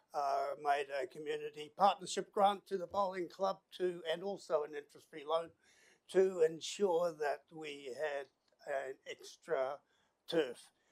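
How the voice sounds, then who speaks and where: A man's fairly high voice with a New Zealand accent, fairly even intonation and a fairly slow pace. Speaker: former councillor making a submission. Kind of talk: public hearing submission. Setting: council chamber with microphone. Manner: moderated volume due to hearing loss.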